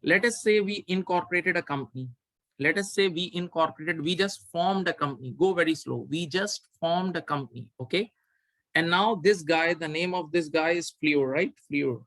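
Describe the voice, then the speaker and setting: Man, accounting tutor, slightly high voice, dry close sound, live online lesson, repetitive instructional delivery. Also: moderate pace, a bit bright, no room sound, poor audio. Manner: repeats phrases for emphasis, instructional.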